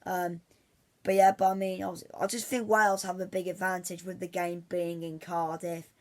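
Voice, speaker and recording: A man's voice: high-pitched, little pitch movement, moderate pace. A man giving casual football predictions on his vlog, rambling and repeating himself with many restarts. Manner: rambling, says "obviously" constantly, many restarts; fan-like, insistent about his team. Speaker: football vlogger.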